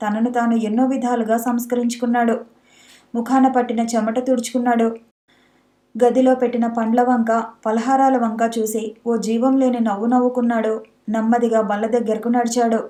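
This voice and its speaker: A woman narrating a novel as an audiobook, reading in a steady, measured way. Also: fairly high pitch.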